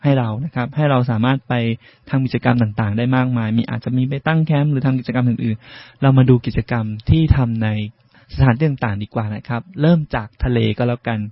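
A man's voice: medium pitch, brisk, no echo, dull audio. A man hosting a radio English lesson, politely recapping each new word for the listeners. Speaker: radio host teaching English vocabulary.

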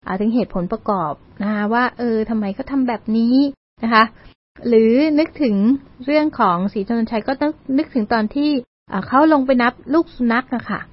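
A woman's voice: a little high, moderate pace. Polite woman radio lecturer, lo-fi sound. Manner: polite, with frequent Thai particles, mixing in English terms. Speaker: university learning centre presenter. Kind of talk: educational community radio talk. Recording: dull lo-fi radio recording.

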